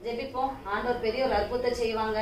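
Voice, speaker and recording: A woman's voice: on the high side, quick pace, lightly acted. A woman playing a reassuring pastor. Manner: calm, reassuring. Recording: echoey distant room with music.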